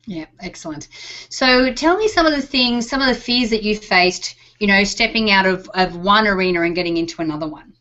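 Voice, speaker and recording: A woman hosting an interview show opens with warm-up chatter full of fillers like um and you know. She talks casually, expressive and fairly quick at medium pitch, on a dull lo-fi recording.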